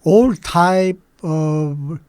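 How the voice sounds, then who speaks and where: An older man in his eighties, a native Korean speaker, tells his life story slowly and haltingly, with long pauses and fillers. His voice sits a little higher than usual for a man. The sound is close and dry. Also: darkish tone, clear, resonant tone, no room sound. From Manchuria. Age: 80s. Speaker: interview guest. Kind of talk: unscripted life-story interview.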